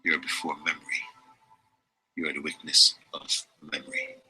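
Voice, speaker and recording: A man giving a slow, meditative reading of spiritual teachings, measured and deliberate, with long pauses. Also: very deep voice, monotone, pushed and bright, breathy edge, soft background music, low-quality recording.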